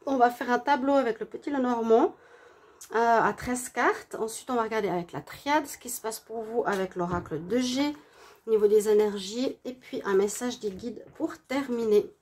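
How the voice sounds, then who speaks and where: Femme au nez bouché, tirant les cartes. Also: female voice, fairly high pitch. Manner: gentle, halting, with many hesitations. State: stuffy nose from a cold. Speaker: tarot reader. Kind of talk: relaxed tarot reading for viewers.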